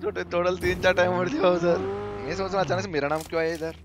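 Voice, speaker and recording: A fairly high-pitched man talks to his teammates in quick, defensive bursts over a headset. Loud game sounds and car engines roar around his voice, and it comes through as game voice chat. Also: little pitch movement, background noise. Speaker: squad teammate. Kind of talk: casual gaming voice chat.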